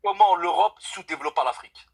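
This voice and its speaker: A man's voice: high voice, quick pace, vocal fry, breathy edge. A young man from France calling in to a live stream, speaking earnestly and emphatically and swearing by God to stress his points. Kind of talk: casual debate call.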